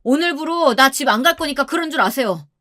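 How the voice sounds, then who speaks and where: A woman's voice: medium pitch, animated, a little fast, no room sound, clean studio sound, natural voice. A woman voicing an anxious young boyfriend who talks urgently and pleads. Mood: indignant.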